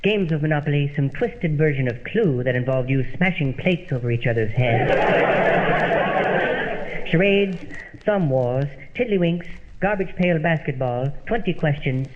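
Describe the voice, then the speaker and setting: An actor playing a formal, droll, long-suffering butler in an old-time radio comedy, deferential and deadpan. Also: male voice, fairly high pitch, unhurried. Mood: droll recital. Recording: very muffled, noisy old-time radio sound.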